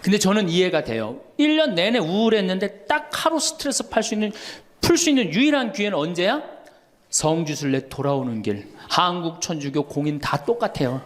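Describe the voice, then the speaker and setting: A man's voice: sits high, brisk. A Catholic priest in his sixties giving a humorous sermon to an audience, telling stories with laughter and acting out the dialogue. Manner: storytelling with laughter and lively quoted dialogue.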